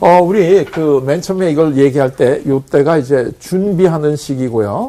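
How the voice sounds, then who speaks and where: Moderate pace with ordinary pitch variation. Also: man, fairly high pitch for a man. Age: 60s. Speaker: psychology professor. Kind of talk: lecture. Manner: hesitant with many fillers.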